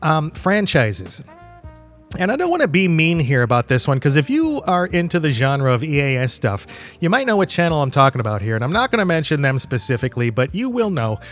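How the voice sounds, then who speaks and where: A man with a fairly high voice talks casually as a podcast host. He rambles conversationally from point to point, as if chatting straight to the listener. Faint music plays behind him. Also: sing-song, fairly quick. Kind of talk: casual solo podcast talk.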